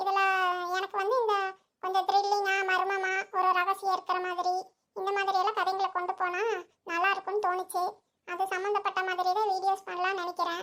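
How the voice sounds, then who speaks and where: A woman puts on a cartoonish character voice at an extremely high pitch, monotone and flat in intonation, at a moderate pace. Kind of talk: cartoon voice acting. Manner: chatty, homely.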